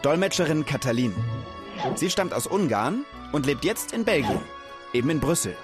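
Lively man presenting for kids over music. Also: on the high side, moderate pace. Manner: lively, addresses viewers directly as kids. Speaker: children's show presenter. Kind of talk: upbeat presenting and voice-over for young viewers.

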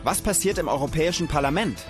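A man presenting a children's knowledge show, talking straight to young viewers in an upbeat, animated way. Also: on the high side, quick pace, over music. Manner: lively, addresses viewers directly as kids.

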